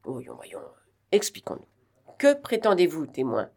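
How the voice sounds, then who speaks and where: A woman's voice: deep voice, huge pitch swings, unhurried, darkish tone, heavily acted. Woman reading as a stern court president. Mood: questioning.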